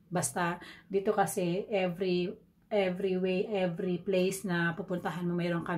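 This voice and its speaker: A somewhat breathy, fairly low woman's voice with fairly even intonation. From Philippines, Ilocano-speaking; Philippines. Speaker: vlogger. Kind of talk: casual vlog talk to camera. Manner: hesitant, many fillers. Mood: friendly, smiling.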